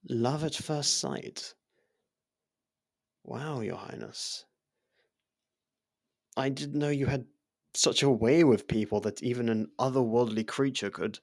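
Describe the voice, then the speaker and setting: Guy acting as a loyal worried servant to royalty, fantasy asmr roleplay, slow n creaky, really formal. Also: medium pitch, dry recording, clean studio sound. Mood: curious, deferential. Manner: formal, deferential, earnest, hesitant phrasing. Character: devoted, worried, outspoken personal servant to royalty, adult.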